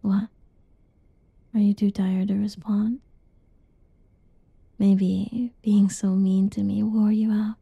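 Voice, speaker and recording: A young woman doing a whispered ASMR roleplay in a soft, teasing whisper, recorded close and dull. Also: mid-range voice, little pitch movement, slow pace, gravelly, long pauses, breathy edge, dry recording.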